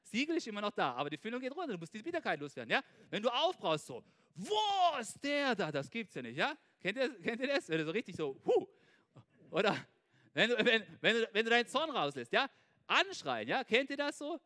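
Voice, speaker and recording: A man giving an informal, animated sermon, talking straight to his listeners and checking in with them constantly. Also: sits high, fast. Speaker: preacher.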